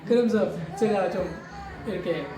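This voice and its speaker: Speaking at a moderate pace in a high voice, this man gives an informal missionary sermon in church mid-service, chatting with the congregation, chuckling, restarting sentences, and circling back to the same rhetorical questions. The recording is reverberant and distant, with faint noise.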